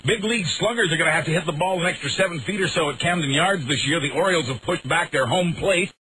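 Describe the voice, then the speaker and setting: A radio newsreader in a studio reads the news with wry, punchy delivery and some casual banter. His voice is on the high side, bright and pushed, at a quick pace, and the taped broadcast is noisy.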